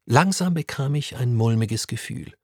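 Expressive man reading a story aloud. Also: medium pitch, moderate pace, breathy edge, dry recording, studio quality. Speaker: story reader.

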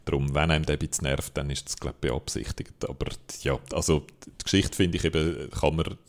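A man's voice: a bass voice, brisk. A man with a Swiss German accent, co-hosting a casual game podcast and arguing his picks with lots of fillers. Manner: animated, opinionated, many fillers. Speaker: podcast co-host.

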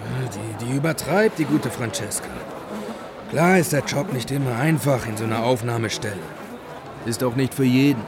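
A man in a radio drama playing a gruff, crude manager who rambles on. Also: mid-range voice, moderate pace, noisy background, close to an everyday voice.

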